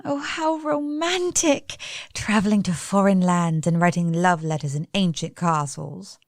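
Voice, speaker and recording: A woman's voice: fairly low pitch, measured pace, dry recording, clean studio sound. A woman as bubbly, gushing young Lucy. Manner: gushing, chatty, excitable. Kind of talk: stage radio play acting.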